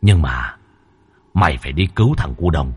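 A man's voice: a bass voice, animated, moderate pace, breathy edge, voice pushed down, full character voice. A man voicing the ghost of a dead old man who urgently pleads for help. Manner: urgent, insistent.

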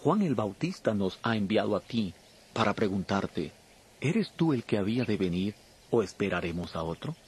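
Earnest disciple messenger, very husky, lively intonation, Bible audio drama. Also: male voice, on the low side, moderate pace, exaggerated voice. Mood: earnest, questioning. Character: earnest male disciple messenger of John the Baptist.

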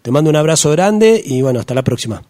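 A man's voice: fairly high pitch, lively intonation, quick pace, mellow. A man with an Argentine accent hosting a weekly radio show, asking questions and wrapping up in a friendly, easygoing way. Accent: Argentine Spanish. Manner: friendly, easygoing wrap-ups. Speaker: radio host. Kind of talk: casual radio presenting.

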